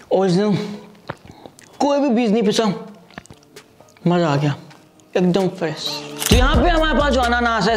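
Chatty young man reviewing a juicer. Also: extremely high pitch. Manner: chatty, lively demonstrating while juicing. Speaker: product reviewer. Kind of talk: casual product review vlog. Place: small indoor studio set with striped backdrop.

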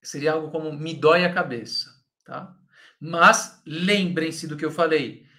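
Brazilian man, a patient live-class Italian teacher, fairly high voice, unhurried, checks in with students often. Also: pushed and bright. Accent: Brazilian Portuguese. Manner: patient, corrects students by name, frequent "tá?" check-ins. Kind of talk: live online language lesson.

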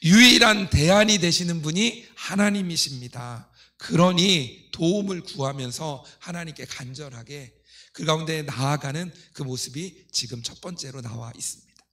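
Standing at an indoor church pulpit, a middle-aged man preaches with a slightly high, bright, forceful voice at normal speed. As pastor, he teaches scripture to the congregation, asking rhetorical questions and guiding readings.

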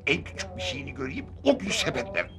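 A man's voice: on the high side, very animated, quick pace. An actor playing a smug, wealthy older father who boasts in a lordly way in a sitcom. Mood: complaining. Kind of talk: sitcom acting.

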